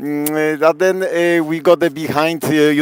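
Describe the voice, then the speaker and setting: In a strong Polish accent, the speaker talks at a moderate pace with fairly even intonation in a dry, close sound with no echo. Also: man. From Poland, Krakow. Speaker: city tour guide. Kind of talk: live-stream walking tour. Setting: outdoors at night in city square. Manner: halting, many fillers.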